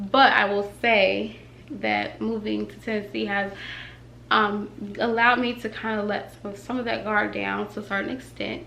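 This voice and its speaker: A woman speaks with big swings in loudness, and the room echo is audible. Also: moderate pace. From Chicago. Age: 30s. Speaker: podcast host. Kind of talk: casual monologue. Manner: animated.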